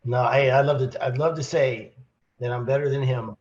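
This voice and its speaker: Hoarse, sick-sounding male co-host, rambling storyteller, mid pitch, slightly dull lo-fi audio. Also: moderate pace. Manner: rambling, animated storyteller with restarts. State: hoarse with a cold. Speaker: podcast co-host, sales manager. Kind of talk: casual storytelling chat.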